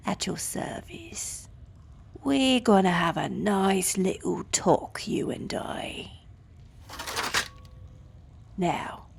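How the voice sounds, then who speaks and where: A woman's voice: fairly low pitch, creaky, slight background noise. A woman playing a gleefully sadistic prison torturer in an audio roleplay, taunting and threatening. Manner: taunting, threatening, drops into whispers.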